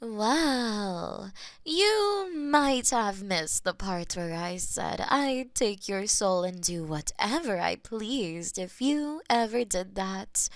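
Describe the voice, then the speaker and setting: Casting: woman as a possessive female war demon, slow teasing drawl, soft whispers, dry close mic. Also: mid-range voice, no echo, full character voice. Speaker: voice actor in audio roleplay. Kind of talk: intimate audio roleplay.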